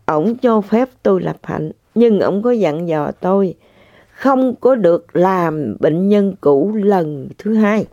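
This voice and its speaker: An older woman giving an emotional, halting spiritual testimony to listeners, often repeating herself. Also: medium pitch, expressive, warm tone, dry recording. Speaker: religious practitioner sharing testimony. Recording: dull lo-fi sound.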